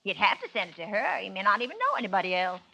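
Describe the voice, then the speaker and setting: An actress playing a bitter, suspicious small-town wife in 1940s radio acting, sarcastic and resentful. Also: female voice, mid-range voice, big pitch swings, racing, vocal fry, sharp tone, full character voice, low-quality recording. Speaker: narrator and lead character.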